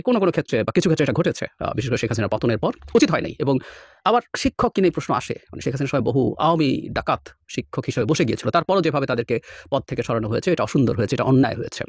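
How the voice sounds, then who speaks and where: A man gives political commentary in an animated, scornful way, dropping in English phrases. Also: medium pitch, dry recording, studio quality. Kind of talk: spoken commentary.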